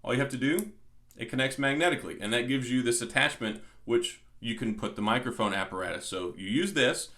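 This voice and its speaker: A man with a medium-pitched voice presents an unboxing in a casual, explanatory way. He talks like a product reviewer, going through each item step by step. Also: brisk, pushed and bright.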